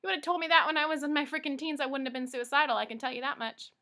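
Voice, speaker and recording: A woman in her thirties, a weight-loss coach, talking straight to camera in an emphatic, exclamatory way, moving between loud pep talk and soft confession. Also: sits high, steady tone, very fast. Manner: emphatic, exclamatory, pleading with the viewer. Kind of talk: casual direct-to-camera testimonial.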